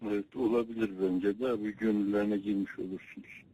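A man taking a private call over a landline phone, answering in soft, brief, approving replies as a respected teacher. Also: on the low side, steady tone, fast. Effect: heard over a landline phone line.

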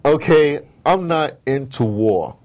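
A man from the United States, an audio drama producer appearing as an interview guest, talks slowly in a mid-range, darkish, animated voice, with a little hiss or hum in the background. His stories ramble and carry strong opinions, and he often strays off topic and plays out conversations.

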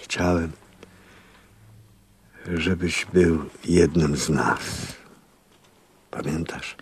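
An actor playing a fervent, sorrowful Catholic priest in a radio drama, solemn and pleading in a husky, gravelly voice. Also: male voice, a bass voice, very slow, slight background noise, full character voice. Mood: wistful, reproachful. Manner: solemn, pleading, hushed at times.

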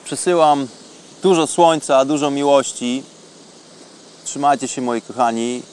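A man's voice: mid-range voice, a little slow, darkish tone. Man hosting, faint background noise. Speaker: podcast host. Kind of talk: warm personal sign-off to listeners. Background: faint sea-shore ambience.

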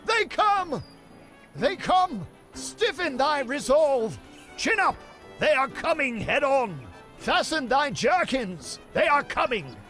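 A high, pompous medieval knight. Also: male voice, very animated, slow pace, sharp tone, soft background music, full character voice. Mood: rallying. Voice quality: high, theatrical voice with mock-archaic speech. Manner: grand, innuendo-laden pronouncements. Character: pompous, bawdy medieval knight, grown man. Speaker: video game voice actor. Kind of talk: video game voice line reel.

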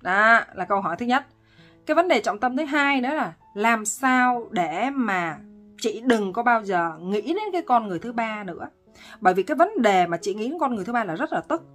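A woman relationship counselor giving casual advice, talking with lively emphasis and frequent laughter. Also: on the high side, a little fast, soft background music.

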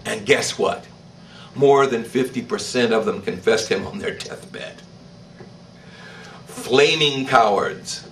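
An older man, a priest, preaching a sermon in church, slow and emphatic, with declarations that rise in pitch. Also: fairly bright tone, distant mic, a little hiss or hum, rough recording. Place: church, indoors. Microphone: stand mic in front.

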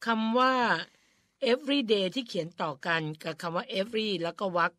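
A woman's voice: a little high, animated, measured pace, a bit bright, no room sound, studio quality. Playful woman radio host asking questions. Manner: playful, asks questions for listeners. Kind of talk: radio show English lesson.

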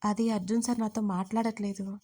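A woman's voice: medium pitch, little pitch movement, fairly quick, warm tone, slight background noise, lightly acted. Woman doing a lovesick young girl student, pleading and emotional, for a telugu audio story. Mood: upset.

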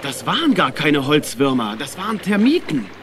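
Anxious, high-voiced young animal. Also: male voice, sing-song, moderate pace, a bit bright, a little hiss or hum. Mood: concerned. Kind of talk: animated film radio play dialogue.

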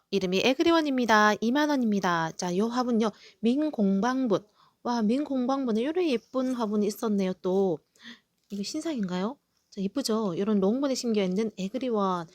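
A woman's voice: fairly high pitch, dry recording, clean studio sound. A middle-aged woman hosting a live sale of potted succulents, cheerfully listing each plant and its price. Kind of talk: live sales presentation.

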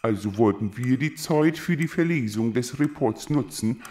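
A man's voice: medium pitch, expressive, normal speed, a little mellow, close to an everyday voice. A man playing a dutiful, bureaucratic little creature in a children's audio drama, formal and matter-of-fact. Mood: unruffled. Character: dutiful, bureaucratic male storybook creature reading reports.

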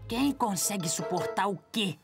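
Bossy little Brazilian cartoon repairman, lively. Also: mid-range voice, normal speed, gravelly. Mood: exasperated, skeptical. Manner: exasperated, dismissive. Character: bossy, skeptical little male berry-creature repairman. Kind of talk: animated cartoon dub. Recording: music behind the voice.

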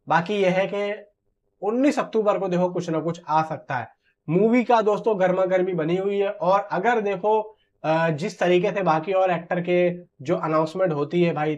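A man, giving informal film commentary to camera in an emphatic, conversational way and repeating phrases for stress. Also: high-pitched. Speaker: film news vlogger. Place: small room at home, indoors. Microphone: clip-on lapel mic. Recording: slightly dull, muffled sound.

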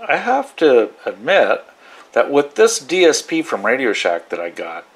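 A man's voice: mid-range voice, wildly swooping pitch, a little slow. A man casually demonstrating gear in a hobby vlog, rambling and thinking aloud as he goes. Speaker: radio hobbyist demonstrating receivers. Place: small indoor radio desk.

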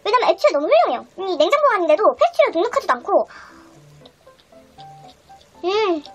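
A young woman with an extremely high voice talks a little fast as she vlogs a mukbang, chatting excitedly to the camera and humming as she tastes food between bites. The camera sits on the table in front of her, first in a small indoor room and then in a busy restaurant, with background music and restaurant chatter.

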